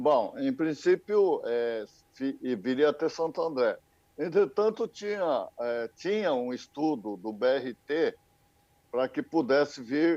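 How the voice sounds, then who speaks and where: This man has a fairly high pitch and a dark, mellow tone, with very wide pitch swings as he talks at a very slow pace. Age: 70s. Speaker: state legislator. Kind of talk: interview. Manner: halting.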